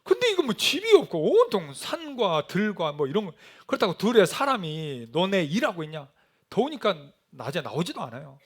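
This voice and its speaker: A middle-aged male pastor preaching a sermon, telling a mission story with animated storytelling and acted-out shouted quotes. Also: sits high, moderate pace, breathy edge.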